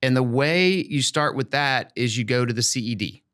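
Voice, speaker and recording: A man's voice: mid-range voice, normal speed, bright, forceful tone. A man hosting a podcast, chatting casually and giving encouraging, emphatic, folksy advice about teaching. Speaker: podcast host and education expert.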